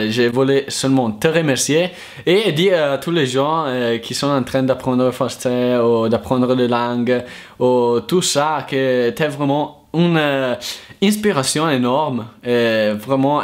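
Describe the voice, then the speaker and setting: An Italian man talks in a second language, with an Italian accent and a halting, searching delivery. He pauses often and restarts his sentences while his voice sits at a middling pitch. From Italy. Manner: hesitant, many fillers and restarts. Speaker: language learner vlogger. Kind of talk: casual thank-you monologue.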